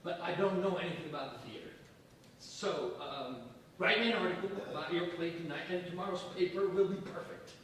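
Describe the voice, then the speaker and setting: An actor in a staged reading playing a hesitant, obliging small-town newspaperman with a halting manner. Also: sits high, a bit bright. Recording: reverberant hall from far off, faint noise.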